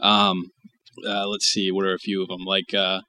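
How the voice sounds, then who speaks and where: A man's voice: deep voice, completely flat delivery, moderate pace, pushed and bright, slight background noise. A man hosting a comedy podcast, reading articles aloud and riffing with crude jokes while chuckling. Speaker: podcast host. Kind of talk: casual comedy podcast chat.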